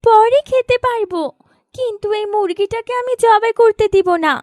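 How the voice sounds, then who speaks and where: A woman's voice: very high voice, moderate pace, a little mellow, no echo, studio quality, pitched above the performer's own voice. A woman voicing a kind, eager young village girl in a children's cartoon, with a tender, pleading manner. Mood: tender, insistent. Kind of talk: children's moral cartoon voice acting.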